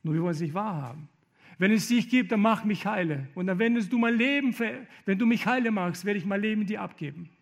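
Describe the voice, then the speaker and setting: A man preaching with fervor, his voice pitched high and carrying a gravelly edge. He builds to loud, emphatic appeals and often stumbles into halting restarts, mixing sermon with personal testimony.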